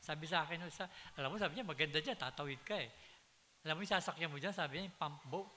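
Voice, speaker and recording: A pastor preaches a sermon in a church hall, telling stories, switching into English phrases and building to emphatic peaks. His voice is fairly high, quick, pushed and bright. The recording has hiss and long hall reverb.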